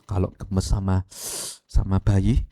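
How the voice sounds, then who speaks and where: A middle-aged man with an East Javanese accent preaching an animated sermon, speaking straight to the congregation. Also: low-pitched, takes it slowly, vocal fry. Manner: animated, addresses congregation directly, mixes Javanese phrases. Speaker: pastor. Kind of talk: lively sermon with acted quotes.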